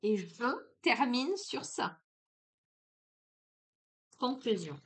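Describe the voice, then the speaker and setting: A woman's voice: on the high side, sing-song, extremely slow. A woman from Marseille with a sing-song Marseille accent, giving a casual tarot card reading and chatting familiarly with the viewer. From Marseille, France. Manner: chatty and familiar, speaks straight to the viewer, peppers lines with "hein".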